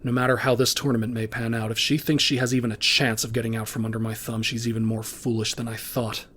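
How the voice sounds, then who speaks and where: A man's voice: mid-range voice, flat delivery, fast talker, fairly bright tone, slight background noise, close to an everyday voice. A man acting a smug, scheming loan shark villain in an audio drama, with a gloating, formal manner. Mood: smug, menacing.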